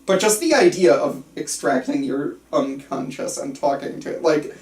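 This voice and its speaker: A man with a fairly high voice chats informally in a roomy space, some way from the mic. He explains things with enthusiasm, often pausing mid-thought and drifting into digressions. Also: lively intonation, a little mellow. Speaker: participant at a film script table reading. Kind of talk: casual rambling discussion. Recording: roomy, picked up from a distance.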